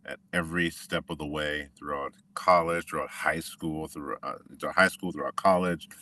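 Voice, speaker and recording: A middle-aged man from Washington State, a former football player telling his story in a relaxed, reflective way with many restarts. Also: a bass voice, normal speed, distant mic. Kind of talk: conversational interview.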